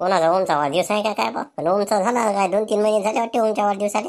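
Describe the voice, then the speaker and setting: A woman puts on a character voice at a medium pitch. She goes at a fairly quick pace with ordinary pitch variation and very even loudness. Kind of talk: rural comedy sketch. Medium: comedy sketch. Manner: gruff, grumbling, dismissive.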